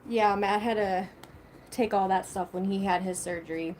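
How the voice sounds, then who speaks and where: A young woman talks casually to her livestream viewers between bites of food. Her speech is loose and chatty, with offhand swearing, at a middle pitch. A faint hiss of background noise sits under her voice. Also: steady tone, moderate pace, darkish tone. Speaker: livestream host. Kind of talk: casual livestream chat while eating.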